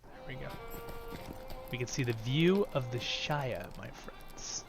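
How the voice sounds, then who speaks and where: A man's voice: mid-range voice, animated, slow, creaky, music in the background. Upbeat man hosting a game video. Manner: upbeat, chatty, drifts into softer asides. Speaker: YouTube channel host. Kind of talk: casual gameplay commentary.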